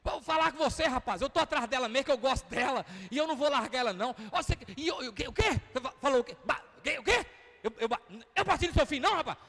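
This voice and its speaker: A man's voice: extremely high pitch, lively intonation, quick pace, creaky, heavily acted. Man doing a ranting lovesick Brazilian guy. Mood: agitated. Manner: loud, heated, stammering repetitions. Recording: reverberant church hall.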